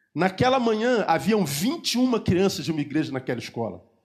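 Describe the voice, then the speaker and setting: Pitch rises and falls across a very wide range. The speech keeps a moderate pace. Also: man. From Rio de Janeiro, Brazil. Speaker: pastor. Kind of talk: sermon.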